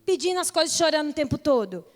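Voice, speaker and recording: A young woman pastor preaches with fervor, her high voice building through repeated calls. Her voice carries a long reverb from a church hall. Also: big pitch swings, quick pace, faint music behind. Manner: impassioned preaching, rising to loud repeated calls. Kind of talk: sermon.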